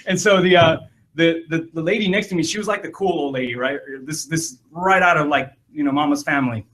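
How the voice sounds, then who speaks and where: A man's voice: on the high side, brisk, a bit bright. Man telling a rambling funny story. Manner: rambling, repeats words, laughs while telling. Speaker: podcast host. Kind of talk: casual storytelling.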